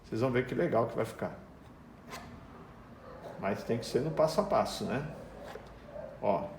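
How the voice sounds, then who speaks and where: Expressive and at normal speed, a medium-pitched man with a darkish tone and a Brazilian Portuguese accent gives a chatty, step-by-step painting lesson in his home garage, explaining as he works and chatting to his dog. Whining and barking from the dog come through, along with reverb and slight background noise.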